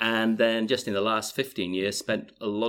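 A man with a Yorkshire accent at a moderate pace and fairly low pitch, on a very clean recording with a silent background. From Yorkshire, England. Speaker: author and business consultant. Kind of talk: casual interview conversation. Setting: studio.

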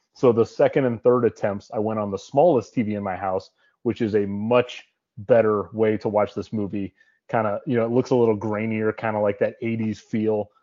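In a plain, everyday voice, a man speaks at a moderate pace with fairly even intonation and a fairly low pitch. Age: 30s. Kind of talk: casual chat.

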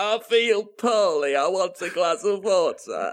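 A man's put-on character voice, high-pitched and whiny, with lively intonation at a fairly slow pace. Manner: whiny, complaining.

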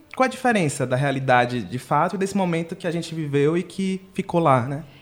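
A man with a Pernambuco accent, high pitch, lively intonation and moderate pace. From Recife, Pernambuco, Brazil. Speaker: journalist. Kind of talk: casual chat.

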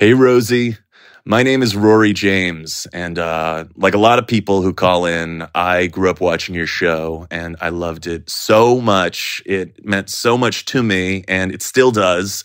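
At a fairly slow pace, a man speaks with a very deep, low pitch and ordinary variation, recorded very cleanly against a silent background. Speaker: stand-up comic caller. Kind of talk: listener question.

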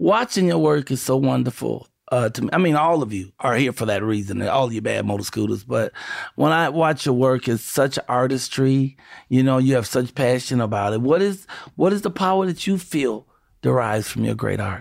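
An animated voice with lively intonation moves at a moderate pace on a very clean recording with a silent background. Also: man, medium pitch for a man. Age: 60s. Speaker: podcast host and comedian. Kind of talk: casual chat.

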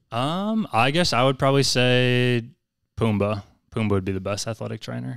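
On a very clean recording with a silent background, a plain, everyday voice speaks at a moderate pace with an American accent. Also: man, medium pitch for a man, ordinary pitch variation. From Wisconsin, West Bend. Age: 20s. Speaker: athletic trainer. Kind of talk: casual chat.

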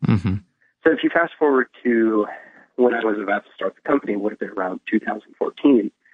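With an unremarkable speaking voice, a man at a medium pitch talks at a fairly quick pace with ordinary pitch variation. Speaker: tech startup founder. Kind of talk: interview. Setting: phone call.

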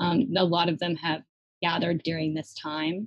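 A woman with an American accent and a normal speaking voice talks at a moderate pace and fairly low pitch, in a dry, close sound with no echo. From Alabama, US South. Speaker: volunteer activist. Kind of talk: interview.

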